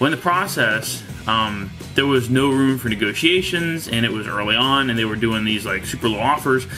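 Over clear music in the background, the speaker moves at a fairly quick pace with ordinary pitch variation. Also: man. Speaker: presenter. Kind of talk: devotional talk with personal story. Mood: calm, reflective. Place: home room. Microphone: studio mic.

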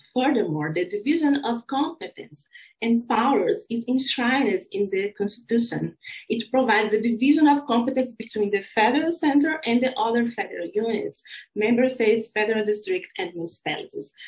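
This woman speaks with a Portuguese accent at a fairly quick pace. Her intonation is lively. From Brazil. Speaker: government attorney; conference panelist. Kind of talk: lecture. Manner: halting. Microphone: video call.

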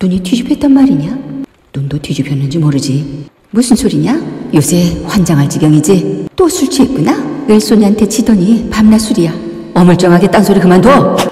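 A medium-pitched woman at a moderate pace with very wide pitch swings, music in the background. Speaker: audiobook narrator. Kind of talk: literary fiction reading for sleep.

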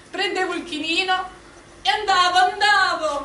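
A woman's raised, projected voice at a fairly slow pace, with audible room echo and light background noise. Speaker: actress performing a monologue. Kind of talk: theatrical monologue. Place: stage.

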